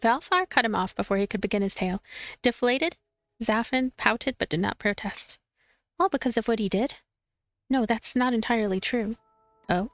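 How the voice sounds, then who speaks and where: A woman reading a visual novel aloud as a let's play streamer, expressive and playful, with commentary. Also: fairly high pitch, moderate pace, no room sound. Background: game music.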